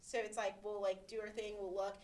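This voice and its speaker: A woman's voice: mid-range voice, flat delivery, brisk, darkish tone. A woman in her twenties chatting casually as a podcast co-host, telling stories in a candid, sarcastic way. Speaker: podcast co-host, law student. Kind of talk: casual chat.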